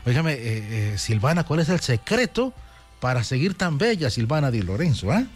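A man's voice: mid-range voice, sing-song, normal speed, husky, soft background music. A man hosting a talk show, effusive and affectionate, telling a story to his audience. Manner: effusive, repeats "gente linda", storytelling.

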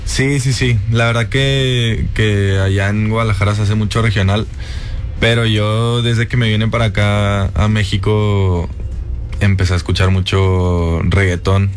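A man's voice: fairly low pitch, unhurried. A young man who grew up in Spain, a guest musician, chatting casually and laughing easily in a radio interview. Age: young adult. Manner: relaxed, laughs easily, many fillers.

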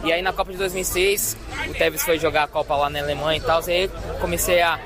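A man's voice: fairly high pitch, fairly even intonation, fast. A man being interviewed outdoors at a fan gathering, talking enthusiastically and rambling. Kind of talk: street interview. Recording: outdoor crowd and music noise.

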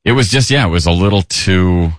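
A man's voice: sits low, animated, a little fast, no room sound, studio quality. A man co-hosting a radio show, talking casually and hesitantly with frequent restarts. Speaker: radio co-host.

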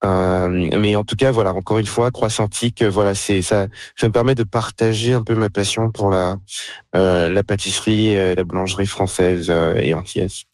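A man's voice: on the low side, fairly even intonation, moderate pace, a little mellow, dry recording, clean studio sound. A young man from France, a guest in a casual interview, talking hesitantly with many fillers and restarts. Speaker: interview guest, pastry caterer.

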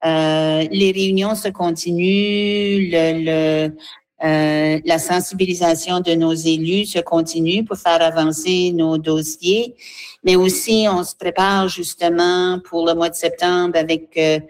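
Earnest low-voiced woman. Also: steady tone, darkish tone. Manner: earnest, halting, with many fillers. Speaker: guest, seniors' association representative. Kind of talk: radio interview, advocacy.

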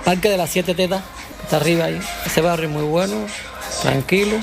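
A Cuban man answers with short laconic phrases, his voice gravelly and low. Music plays clearly in the background outside. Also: brisk. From Cuba. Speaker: resident.

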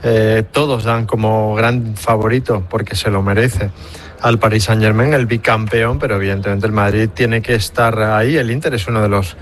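A man giving measured football analysis on a radio sports show, pausing often with fillers. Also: lowish voice, steady tone, slight background noise. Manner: measured, frequent hesitations. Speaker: football pundit.

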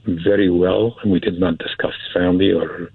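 Low, husky caller on a phone line. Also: male voice, fairly even intonation, no echo. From Syria. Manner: halting, repeats words, restarts often; nervous. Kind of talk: call-in radio conversation. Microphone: telephone. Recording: tinny, muffled phone line.

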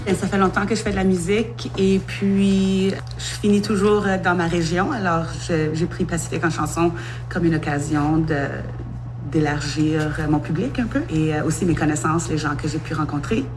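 A woman's voice: on the low side, fairly even intonation, moderate pace, music in the background. A woman from Alberta with a Canadian French accent, a singer answering interview questions casually. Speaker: singer, program participant.

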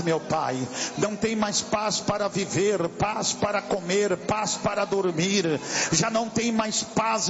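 A man preaching a sermon and praying for deliverance, fervently rebuking and repeating his phrases in rhythm. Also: high voice. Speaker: pastor. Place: church hall. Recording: dull lo-fi recording with long hall reverb.

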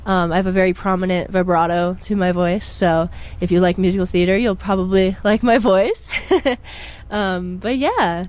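A woman's voice: lowish voice, moderate pace, darkish tone. A young woman from Pennsylvania, a musician, chatting in an interview in a bubbly way with many fillers. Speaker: guest musician. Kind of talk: casual interview.

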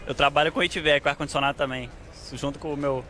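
A man from the Rio de Janeiro countryside answers a street interview in an easygoing, modest way. He speaks quickly in a bright voice. Faint city noise runs in the background. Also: fairly high pitch, steady tone. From Rio de Janeiro state, Brazil. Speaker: passer-by interviewee. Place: outdoors on a busy city street.

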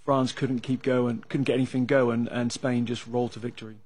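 English guy, mid-pitch voice, talking soccer tactics, kinda measured with uhs. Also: level tone, a little mellow, breathy edge, no echo. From England. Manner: measured, analytical, with frequent uh fillers. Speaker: soccer analyst. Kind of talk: sports talk discussion.

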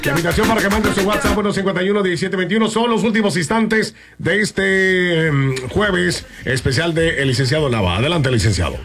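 A man's voice: high voice, lively intonation, fairly quick. A man hosting a radio talk show, announcing in an upbeat, slangy way from the studio booth. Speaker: radio host. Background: loud music bed.

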